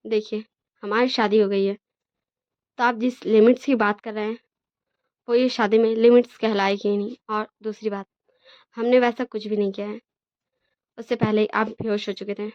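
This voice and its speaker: A woman voicing a gentle, polite young male omega husband in a storybook retelling, speaking softly and quietly. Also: mid-range voice, little pitch movement, moderate pace, pauses often, no echo, lo-fi sound, lightly acted. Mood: soft calm.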